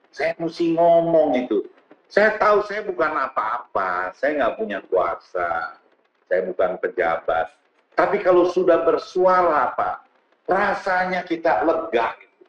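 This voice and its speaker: A man chatting as a talk show guest, animated and earnest, often addressing the host as "sir". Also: mid-range voice. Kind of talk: casual talk show conversation. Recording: roomy, dull studio sound.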